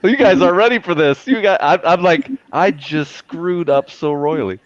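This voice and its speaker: A man in his forties telling a tabletop game story on a video call, excited and stumbling over restarts. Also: fairly high pitch, moderate pace, highs cut off, slight background noise. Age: 40s. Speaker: dungeon master and show regular. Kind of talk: casual chat on a video call. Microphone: headset on a video call.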